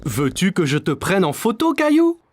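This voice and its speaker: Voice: medium pitch, huge pitch swings, moderate pace. An actor playing a kind, reassuring father in a children's cartoon. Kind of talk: cartoon voice acting.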